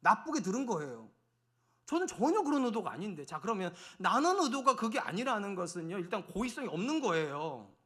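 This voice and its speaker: A man's voice: sits high, fairly quick. A middle-aged male pastor preaching a sermon in a church, talking directly to the congregation and acting out everyday arguments with his wife. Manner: animated, acts out quarrels with his wife. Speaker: senior pastor. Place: church sanctuary.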